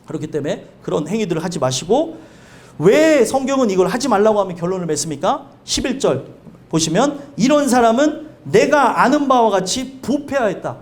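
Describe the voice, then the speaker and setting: A male pastor giving a sermon, earnest and conversational, with lively anecdotes. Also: sits high, brisk.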